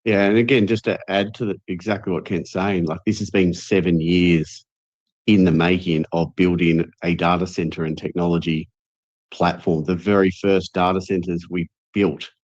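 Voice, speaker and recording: A male executive explains things in an assured way on an earnings call. His voice is on the low side, heard dry through slightly dull, lo-fi audio. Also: flat delivery, moderate pace, a little mellow, dry recording. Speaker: company executive.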